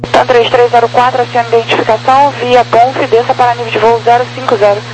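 A man with a strikingly high voice speaks over a faintly hissing radio, like police dispatch. He is a controller giving clipped, procedural instructions. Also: flat delivery, fast talker. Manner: terse, procedural. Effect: two-way radio transmission. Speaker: air traffic controller. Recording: faintly noisy radio with hum.

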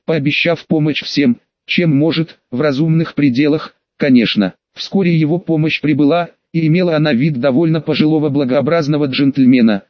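A man narrating an audiobook in the first person, with a measured, even delivery and pauses between phrases. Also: on the high side, no room sound. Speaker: audiobook reader. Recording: dry, dull lo-fi recording.

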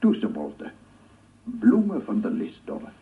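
An actor playing a dreamy, secretive, gentle man in a radio drama, musing in hesitant fragments. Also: medium pitch, wildly swooping pitch, slow. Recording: distant, phone-like archive radio recording.

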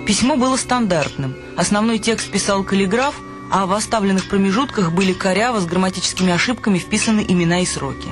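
A man narrating a literary radio play in a measured, expressive way. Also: high-pitched. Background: music.

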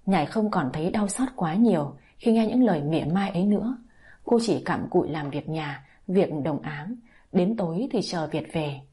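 A woman narrating a scripted story in a calm, even storytelling manner. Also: lowish voice, normal speed, slightly rough.

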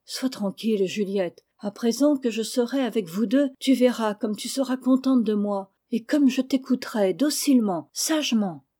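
Storybook orphan boy, impulsive and pleading, read by a woman, mellow tone. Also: fairly high pitch, moderate pace, hardly any pauses, slightly rough. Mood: excited. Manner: eager, pleading.

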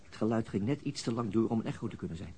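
A weary, wry police detective in a radio crime drama. His voice is low and he talks deliberately, with understatement. The recording carries a steady layer of noise. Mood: reflective, tense. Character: male police detective, weary, dry, recounting being shadowed. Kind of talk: radio drama acting, narrating and dialogue.

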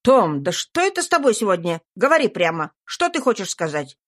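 A woman reading aloud, voicing a young wealthy male master who talks briskly and animatedly. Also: medium pitch, very animated, fairly bright tone. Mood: brisk questioning.

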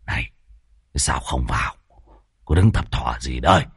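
A man voicing a grumpy bald old village man in a spoken ghost story, with a gruff, muttering manner. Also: extremely low pitch, animated, a little slow, a bit bright, dry recording, studio quality, voice pushed down, heavily acted. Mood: hushed gruff.

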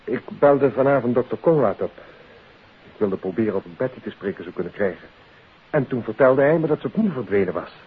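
A thin, band-limited vintage radio recording of an uneasy young man. His voice is very husky, and he justifies himself politely and anxiously in 1950s radio drama style. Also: medium pitch, animated, a little fast, narrow, tinny audio. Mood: worried.

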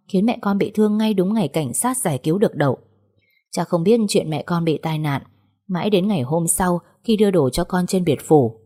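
A woman's voice: lowish voice, dark tone. A woman reading a first-person story aloud as scripted narration, with an emotional, dramatic delivery.

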